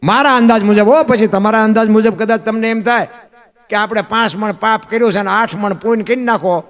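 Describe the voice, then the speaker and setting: A man's voice: high-pitched, a little fast, fairly bright tone. A man from Gujarat, telling devotional folk stories in a rhythmic, repeating way. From Gujarat, India. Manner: rhythmic, repeats phrases for emphasis, addresses listeners as bapu. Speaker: folk storyteller.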